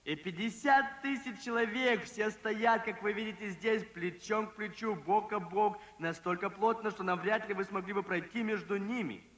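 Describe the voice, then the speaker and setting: A man preaching a sermon, telling a story with emphasis, slowing down and dropping low at dramatic moments. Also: fairly bright tone. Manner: emphatic, slows and drops pitch for drama. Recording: long reverb from a large hall.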